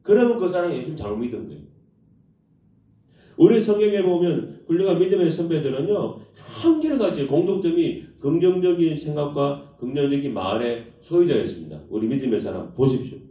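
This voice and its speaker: A man preaching a sermon as pastor, lively and full of rhetorical questions to his congregation, recorded from a distance in a church. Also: on the high side, a little fast. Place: church sanctuary. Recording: echoey church hall, distant mic, dull lo-fi.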